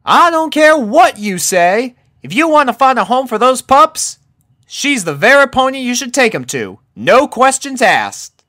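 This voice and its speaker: No-nonsense country mare for a storybook, raised pitch, bright, folksy drawl, acted by a man. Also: very animated, unhurried, exaggerated voice. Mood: stern.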